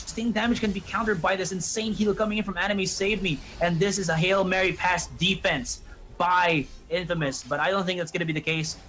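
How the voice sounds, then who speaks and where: Guy calling an esports match play by play, high voice, gets loud and excited on big plays. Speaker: esports caster. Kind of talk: play-by-play commentary.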